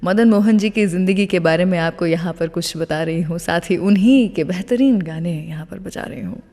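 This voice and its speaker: A woman's voice: fairly low pitch, normal speed, warm tone, in a large hall. A woman hosting a radio show, telling stories in a chatty, conversational way. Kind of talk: storytelling radio narration.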